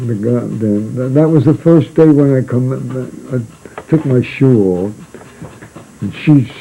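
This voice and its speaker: An older man tells a spoken memoir of his seafaring days in a gravelly, very dark voice. His delivery is slow, halting and rambling, with many restarts and fillers. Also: mid-range voice, slight background noise, poor audio.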